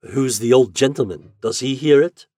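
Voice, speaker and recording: A man's voice: medium pitch, normal speed, dark tone, no echo, studio quality, voice pushed up, close to an everyday voice. A man voicing a shaken, angry English lodger who growls his words. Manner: growling, savage.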